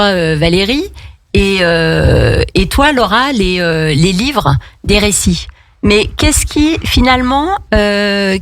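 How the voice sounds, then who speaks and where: Woman radio host, medium pitch, dry studio sound, kinda searching for words as she chats. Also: dry recording. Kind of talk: conversational cultural radio interview.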